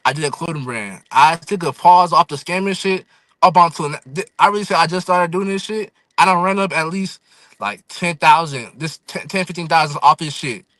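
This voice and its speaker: A man's voice: fairly high pitch, fairly quick, sharp tone, no echo. A young man of eighteen, talking loosely as a podcast guest and saying "you feel me" again and again. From Fresno, California and Houston. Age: young adult. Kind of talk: casual podcast chat.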